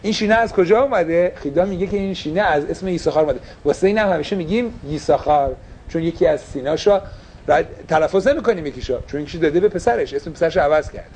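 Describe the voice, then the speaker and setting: A man's voice: on the high side, expressive, darkish tone, a little hiss or hum. A man teaching a casual religious class, asking his listeners questions and slipping English phrases into his talk.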